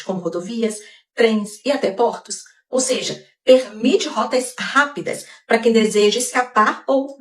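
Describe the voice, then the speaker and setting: A woman gives scripted narration in a measured, explanatory tone, with a voice that sits somewhat high. She sounds set back from the mic, and the room echoes noticeably around her. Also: recorded from a distance. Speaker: video narrator.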